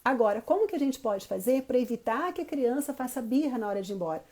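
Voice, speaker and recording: A woman's voice: on the high side, lively intonation, fast, darkish tone. A young adult woman giving parenting advice to camera in a casual, explanatory way, often checking in with her listeners. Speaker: parenting educator.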